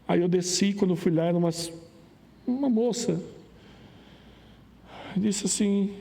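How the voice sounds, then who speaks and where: A man's voice: high voice, a little slow, gravelly, dark tone. A male pastor with a Northeastern Brazilian accent preaching a sermon, telling a personal story with emotion and acting out remembered dialogue. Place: church sanctuary. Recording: long church hall reverb.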